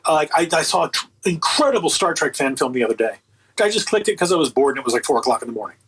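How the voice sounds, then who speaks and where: A man's voice: fairly high pitch, very animated, very fast, fairly bright tone, husky, poor audio. A man speaking as an interview guest, chatting casually and giving his opinions in an emphatic, colloquial way. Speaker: interview guest, audio book producer.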